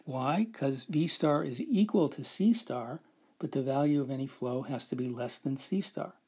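Husky man explaining a math proof. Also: medium pitch, normal speed, dark tone. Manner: explains step by step, often adds "right?" and "so". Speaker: lecturer. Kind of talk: recorded whiteboard math lecture.

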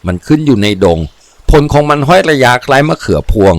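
A man narrating a crime adventure novel in a steady, vivid storytelling voice. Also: fairly high pitch, fairly quick, no echo. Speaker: audiobook narrator. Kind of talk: dramatic audiobook reading.

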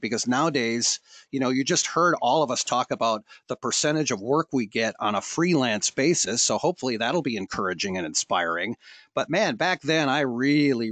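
A man's voice: medium pitch, a bit bright, no room sound. Chatty, joking male webinar host. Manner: jokey, chatty, laughs often. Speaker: host and voiceover coach. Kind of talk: casual webinar chat.

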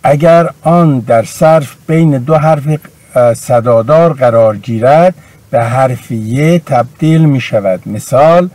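A man teaching a grammar lesson, slowly drilling verb forms one by one and then explaining the rules. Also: mid-range voice, darkish tone, dry recording. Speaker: language teacher.

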